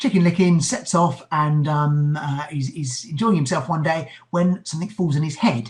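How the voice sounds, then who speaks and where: Somewhat breathy delivery at a moderate pace. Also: man. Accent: London. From London. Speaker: education writer and webinar presenter. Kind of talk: educational webinar lecture. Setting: online webinar. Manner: hesitant, with fillers and repetitions.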